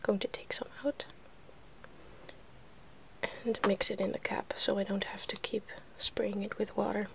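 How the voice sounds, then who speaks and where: A woman speaks as an ASMR host in a gentle, breathy whisper. Her pace is unhurried, with a light creak in the voice. She sounds playful as she narrates her hands-on task. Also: mid-range voice, level tone, poor audio. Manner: playful, giggly. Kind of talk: ASMR, softly narrating a face-paint makeover.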